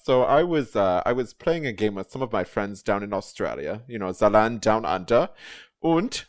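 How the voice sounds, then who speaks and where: A pompous party official with a put-on German-tinged accent, done by a man, who giggles and stumbles through his own game. The voice swings wildly in pitch. It sits close and dry, with no room sound. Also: big pitch swings, moderate pace, no echo. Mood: giddy showman. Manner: exaggerated, giggly, fumbling showman.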